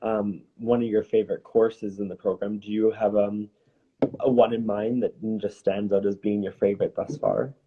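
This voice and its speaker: A man's voice: lowish voice, little pitch movement, normal speed, slightly rough. A man hosting a conversational live question-and-answer interview, encouraging and often rephrasing his questions. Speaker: host interviewer. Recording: dull lo-fi, faint noise.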